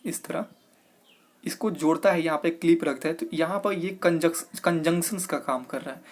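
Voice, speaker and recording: A man's voice: a little high, moderate pace. A young man, an exam coaching teacher, explaining test questions one by one and asking and answering his own questions as he goes. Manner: walks through each answer step by step, asks and answers his own questions.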